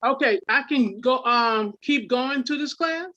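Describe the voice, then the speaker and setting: A woman's voice: high voice, unhurried, sharp tone. An older woman speaking briefly and casually as a class participant, over lo-fi online call audio.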